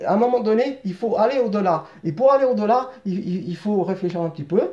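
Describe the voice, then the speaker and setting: In a dark, mellow tone, a man speaks fairly quickly at high pitch with ordinary pitch variation. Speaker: fan vlogger. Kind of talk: live video talk. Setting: live stream from phone. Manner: halting, many repetitions and fillers.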